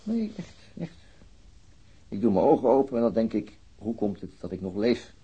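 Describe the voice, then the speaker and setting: A man's voice: fairly low pitch, very animated, normal speed, dark tone, husky, lo-fi sound, exaggerated voice. An actor playing a middle-aged, wry, weary policeman and father recovering from a wound in a radio play. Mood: bitter, brooding. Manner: subdued, weary, sardonic, hesitant. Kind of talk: naturalistic radio play acting.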